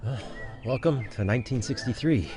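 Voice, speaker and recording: A man's voice: medium pitch, lively intonation, normal speed, darkish tone, soft background music, close to an everyday voice, low-quality recording. A man playing a flustered husband who narrates and talks in a hesitant, stammering way. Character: flustered husband and writer telling his tale. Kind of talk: audio drama narration and dialogue.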